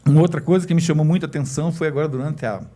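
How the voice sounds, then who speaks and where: A man's voice: fairly high pitch, racing, mellow. A middle-aged man with a Brazilian Portuguese accent, a church elder telling an emotional personal testimony and acting out the quoted dialogue. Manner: storytelling, acts out quoted dialogue.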